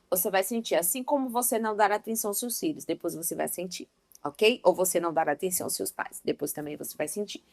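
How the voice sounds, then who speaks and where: A young woman giving an informal Christian devotional talk, speaking emphatically and straight to her listeners with affectionate asides. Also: medium pitch. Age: young adult. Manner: emphatic, talks straight to the listener as "meu amor" and "gente".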